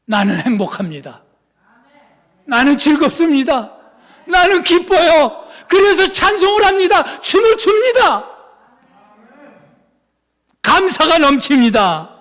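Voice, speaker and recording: Man preaching, pastor, high-pitched voice, fervent shouts dropping to quiet asides, long church reverb. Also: very animated, takes it slowly, long pauses. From Seoul. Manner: swings from fervent shouting to hushed, soft-spoken asides. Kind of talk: sermon. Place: church sanctuary.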